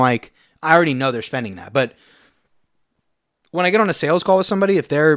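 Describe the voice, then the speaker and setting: With an animated tone and lively intonation, a man speaks at a very fast pace. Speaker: business coach for music coaches. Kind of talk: direct-to-camera coaching rant. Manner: loud, near yelling; animated, fast with stumbles.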